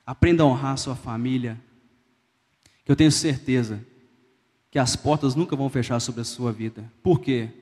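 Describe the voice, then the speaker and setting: A man's voice: medium pitch, normal speed, pauses often, a little mellow, slightly rough. A male pastor preaching a sermon in a church, telling a story with emphatic, rising delivery. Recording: echoey church hall.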